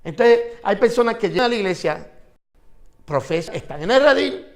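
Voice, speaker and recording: A man's voice: sits high, animated, normal speed. A man teaching an interactive Bible class, asking his students questions and repeating phrases for emphasis.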